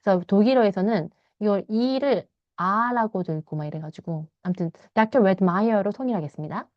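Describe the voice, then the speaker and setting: A woman's voice: mid-range voice, no room sound. Korean female English teacher, read-aloud lesson, dry close lo-fi recording. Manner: reads English lines slowly, then explains in quick Korean. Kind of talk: bilingual read-aloud lesson, explaining a novel.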